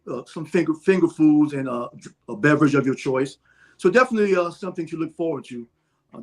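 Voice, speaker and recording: Higher-voiced man, halting announcer. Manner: halting, self-correcting. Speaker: interview guest promoting a stage play. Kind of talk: casual spoken announcement.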